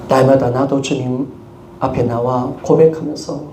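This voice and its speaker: A man's voice: medium pitch, steady tone, moderate pace, darkish tone. A male pastor with a Gyeongsang Korean accent preaching a sermon, emphatic and calling out to the congregation for a response. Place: church sanctuary. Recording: echoey church hall with background noise.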